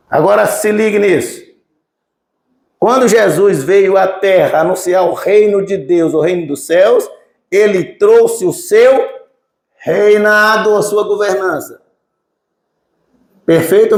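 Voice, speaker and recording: A male preacher with a Mineiro Brazilian accent delivers a teaching sermon, stressing key points and checking with his listeners. His voice sits rather high for a man. The sound carries the echo of a church room. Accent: Mineiro Brazilian Portuguese. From Minas Gerais, Brazil. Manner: emphatic teaching, asks the congregation questions. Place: church sanctuary.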